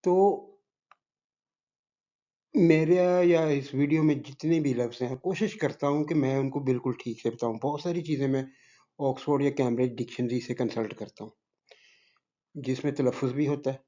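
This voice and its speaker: A man's voice: mid-range voice, dark tone. A man from Pakistan, a teacher, giving earnest and modest advice to his students at the end of a lesson. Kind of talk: lesson closing remarks to students. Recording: slightly muffled lo-fi recording.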